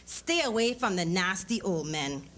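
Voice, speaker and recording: A woman's voice: mid-range voice, big pitch swings, normal speed, a bit bright, slight background noise, pitched below the performer's own voice. A woman reading the part of a bossy, streetwise teenage girl from a story, instructing her friend with brash emphasis.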